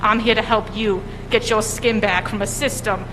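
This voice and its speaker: An actress playing a brisk legal-aid pitchwoman in a mock TV commercial, delivered in an upbeat sales tone on a school auditorium stage. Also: fairly even intonation, natural voice. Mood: salesy. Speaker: stage actor. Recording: echoey auditorium, faint noise.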